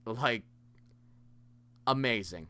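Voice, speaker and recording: A man's voice: mid-range voice, extremely slow, sharp tone, no echo. A man hosting a livestream, talking casually and earnestly as he thanks viewers. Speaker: livestream host.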